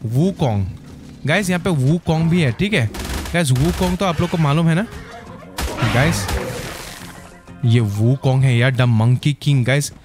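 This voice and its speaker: Guy doing excited game commentary, keeps talking to the viewers, mid pitch, faint music behind. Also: measured pace, long pauses. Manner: excitable, keeps saying "guys". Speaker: gaming channel host. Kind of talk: gameplay commentary.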